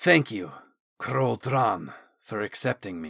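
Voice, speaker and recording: A put-on character voice, raspy and fairly slow in pace. Its pitch swings very widely. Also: man. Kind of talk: ceremonial, formal. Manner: solemn, formal.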